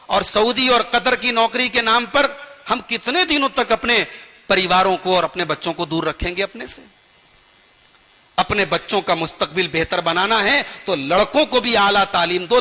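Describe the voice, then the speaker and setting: High, bright-voiced man preaching in a hall. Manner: earnest, pleading and admonishing; rhythmic rising emphasis with sing-song repetition. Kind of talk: sermon to a gathering. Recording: long hall reverb.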